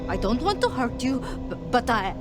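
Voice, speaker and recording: A woman's voice: a little high, sing-song, moderate pace, over loud music. An actress voicing a timid, frightened young female scientist in a video game, hesitant and stammering.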